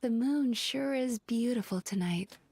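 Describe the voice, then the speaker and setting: An actress voicing a gentle, wistful female dream-eating spirit who works as a psychologist in a video game, speaking in a measured, reflective way. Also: a little high, creaky, a little hiss or hum. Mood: tender, grateful. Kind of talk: video game character dialogue.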